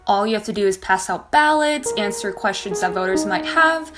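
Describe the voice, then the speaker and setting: A woman playing a brisk, practical polling-place volunteer leader in an amateur theater skit, matter-of-fact and easily flustered. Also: mid-range voice, lively intonation, music in the background, lightly acted. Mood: friendly, helpful.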